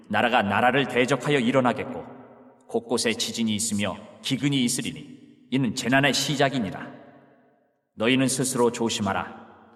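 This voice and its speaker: A man playing Jesus as a calm teacher, giving measured, solemn lines in a dramatized Bible reading. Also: medium pitch, lightly acted. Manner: measured, solemn archaic delivery. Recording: long hall reverb.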